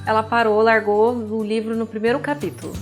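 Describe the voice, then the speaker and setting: High-voiced Brazilian woman over music. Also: flat delivery, brisk. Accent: Brazilian Portuguese with a pulled R. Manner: informal, candid, addresses viewer directly. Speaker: host of a writing advice series, author. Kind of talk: didactic video talk with read-aloud book excerpts. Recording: music behind the voice.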